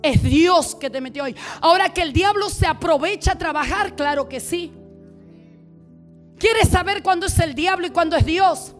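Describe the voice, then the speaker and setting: A woman preacher telling a deliverance story in an animated sermon, shouting at high points. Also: moderate pace, soft background music.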